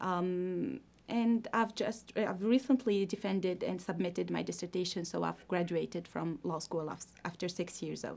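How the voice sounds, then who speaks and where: A woman at a moderate pace, medium pitch with ordinary pitch variation, and vocal fry. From Tunisia. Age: 20s. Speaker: activist, law graduate. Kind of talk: interview answer. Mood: calm, earnest. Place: studio.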